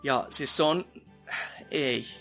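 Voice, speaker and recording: A man's voice: medium pitch, gravelly, fairly bright tone, faint music behind. A man co-hosting a podcast, ranting and sarcastic, swearing and laughing in casual chat. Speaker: podcast co-host.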